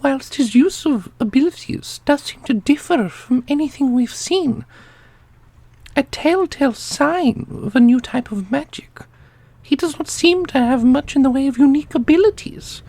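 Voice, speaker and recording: A woman's voice: sits high, expressive, moderate pace, warm tone. A woman playing a haughty immortal being in a fantasy audio roleplay, speaking formally and precisely with a superior manner. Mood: detached, analytical.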